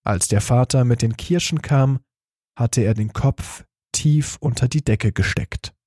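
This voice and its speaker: Man, audiobook reading, calm and measured, slow, husky, close studio mic. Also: mid-range voice, no room sound. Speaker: reader.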